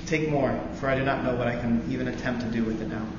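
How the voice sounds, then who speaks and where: Young man reading in an echoey hall. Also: medium pitch. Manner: halting intro with many fillers, then steady earnest reading. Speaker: student veteran reading aloud. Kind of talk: live reading of a novel passage. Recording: roomy echoey hall, dull lo-fi sound, noisy.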